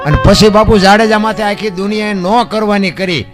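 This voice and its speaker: A man with a Gujarati accent performing folk storytelling on stage, breaking into loud rhythmic rhymed recitation. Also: sits high, steady tone, a little fast. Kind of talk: Gujarati lok dayro storytelling. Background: music.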